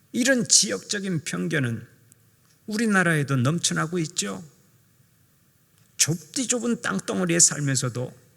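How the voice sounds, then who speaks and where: Gravelly-voiced older man preaching. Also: high-pitched, a bit bright. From Jeolla, South Korea. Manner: earnest preaching, acts out quoted speech. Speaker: pastor. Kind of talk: sermon. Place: church sanctuary. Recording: church hall reverb.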